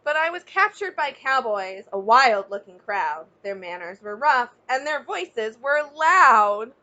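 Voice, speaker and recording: A woman with a slightly high voice reads a picture book to children on a somewhat muffled, lo-fi recording. She is expressive, like a teacher, and moves between the rhyming story and simple asides to her young listeners. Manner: expressive, pausing to ask young listeners questions and explain.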